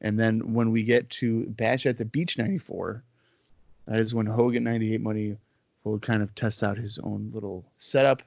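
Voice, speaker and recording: Easygoing host with a stuffy nose. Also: male voice, lowish voice, flat delivery, moderate pace, creaky, darkish tone, dry recording. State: stuffy head cold. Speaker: podcast host. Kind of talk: casual chat. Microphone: own microphone over an internet call.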